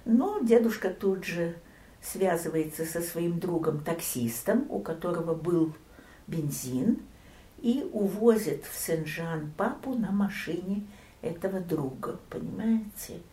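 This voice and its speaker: An older woman recounting family memories in an interview, storytelling with lively swings and soft near-whispered asides. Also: fairly low pitch, a little slow, reverberant. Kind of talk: oral history reminiscence.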